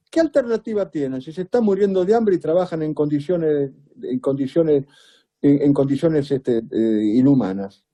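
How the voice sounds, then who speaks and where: Argentine man, husky dark voice, very lively. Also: a little high. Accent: Rioplatense Spanish. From Buenos Aires, Argentina. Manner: emphatic, rhetorical, repeats "¿es cierto?". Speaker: political interview guest. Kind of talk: opinionated political commentary.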